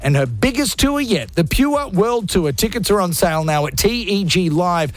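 A man's voice: high-pitched, sing-song, moderate pace, no room sound. A man hosting a radio show, hyped and jokey, poking fun at himself. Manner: hyped, jokey, self-mocking. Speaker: radio host. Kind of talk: energetic radio banter. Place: radio studio.

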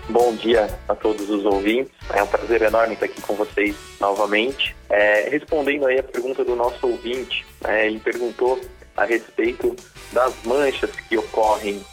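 Male biologist explaining calmly. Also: lowish voice, moderate pace, faint music behind. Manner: explanatory, rhetorical questions. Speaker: marine biologist. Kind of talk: recorded expert answer.

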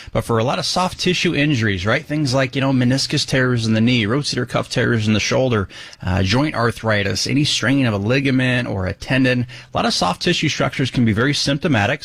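Male radio co-host, doctor, clear explainer, dry studio mic. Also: mid-range voice, a bit bright, no room sound. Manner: clear explainer, often adds "right?". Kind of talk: explaining on a radio talk show.

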